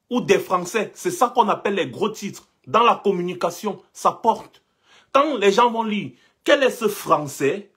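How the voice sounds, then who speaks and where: A young man from Cameroon holds forth in a passionate monologue, pressing his points again and again with rhetorical questions. His voice sits high and has a husky edge. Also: a bit bright. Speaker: commentator. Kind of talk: impassioned monologue.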